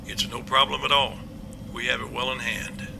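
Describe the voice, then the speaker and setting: A man playing a confident police captain in an amateur audio drama, explaining things in a measured, matter-of-fact way. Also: mid-range voice, little pitch movement, creaky, background noise. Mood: reassuring.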